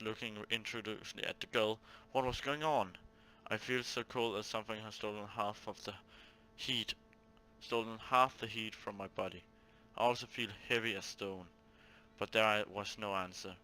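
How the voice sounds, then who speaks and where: A man's voice: fairly low pitch, sharp tone, poor audio. A man hosting a gaming video, reading a visual novel aloud with casual commentary, often stumbling and repeating words.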